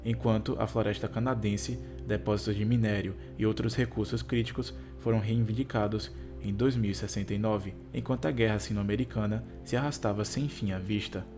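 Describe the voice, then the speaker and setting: A Brazilian Portuguese-speaking man narrating for online viewers, with a tongue-tied impediment that makes some consonants like R, S, T and L hard to articulate. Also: on the low side. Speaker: YouTube video narrator. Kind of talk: scripted narration and casual sign-off to viewers. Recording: music behind the voice. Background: music.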